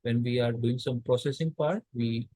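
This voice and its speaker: A man from India lectures to a college class in a recorded session, his mellow voice pitched in the middle range. He is patient, explaining step by step, with frequent filler pauses and restarted sentences. The audio is close and dry, with no echo or room sound.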